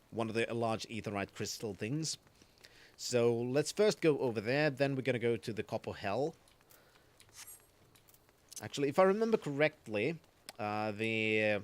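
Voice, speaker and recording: A man streaming a game, chatting casually and explaining the mechanics as he plays, often restarting his sentences. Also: medium pitch. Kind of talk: casual gaming commentary.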